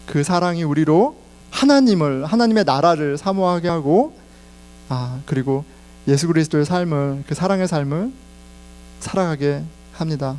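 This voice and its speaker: A man's voice: on the high side, normal speed, a little mellow. A middle-aged man preaching a sermon in Korean, telling personal stories and laughing along the way. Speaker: pastor.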